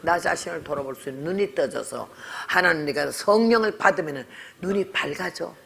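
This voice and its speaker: A woman's voice: sits low, brisk, vocal fry, fairly bright tone. An older woman missionary preaching a sermon, telling a story in a blunt, scolding way. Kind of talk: sermon with testimony.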